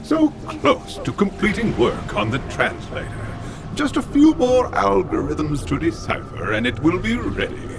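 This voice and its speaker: A gravelly old cyborg boss, slow and sly, voice swooping up and down, music behind. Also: male voice, high-pitched, sing-song, heavily acted. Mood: gloating. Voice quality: creaky, drawn-out, relishing. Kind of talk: video game cutscene voice acting. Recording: game score under the voice.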